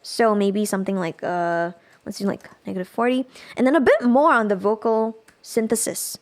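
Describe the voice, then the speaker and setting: A woman giving a casual live software tutorial as a music production instructor, thinking aloud as she demonstrates. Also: medium pitch, normal speed.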